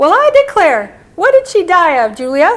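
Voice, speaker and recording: A woman's put-on character voice, squeaky and extremely high-pitched, with very wide pitch swings. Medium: stage play. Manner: chatty, exclamatory.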